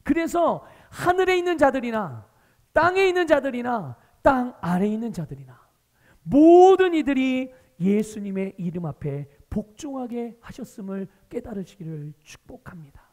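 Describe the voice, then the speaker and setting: A male pastor preaching a Sunday sermon, animated, asking the congregation rhetorical questions. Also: sits high, in a large hall. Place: church sanctuary.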